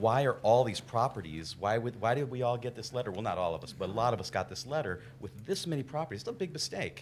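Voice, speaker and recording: Talking very fast with hardly any pauses, a man uses lively intonation at a medium pitch, with vocal fry. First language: not English (English is his third language). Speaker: resident speaking at public comment. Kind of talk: public comment at a zoning hearing. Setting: public meeting. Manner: halting, stammering.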